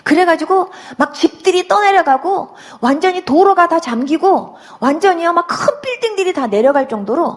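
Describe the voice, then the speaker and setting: A woman's voice: very high-pitched, expressive, normal speed, hardly any pauses. A middle-aged woman giving a personal Christian conversion testimony, telling her story vividly and with sound words.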